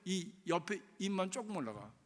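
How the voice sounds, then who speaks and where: A middle-aged male pastor preaching a sermon, sweeping from hushed near-whispers up to loud, ringing climaxes. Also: high voice, very animated, normal speed. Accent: Korean. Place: church sanctuary. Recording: church hall reverb.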